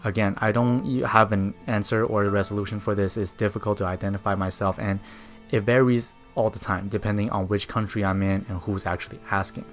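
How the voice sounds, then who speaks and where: A low-pitched man narrates a scripted film essay. He speaks fluent second-language English in a reflective, personal way, with music playing behind him. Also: little pitch movement, brisk. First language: Mandarin. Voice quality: non-native but fluent English. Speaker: video essayist.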